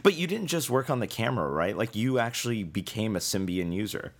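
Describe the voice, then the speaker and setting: Hoarse deep-voiced man hosting a podcast. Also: sing-song, a little hiss or hum. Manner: halting, many fillers and restarts. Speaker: podcast host. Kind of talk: casual tech podcast chat.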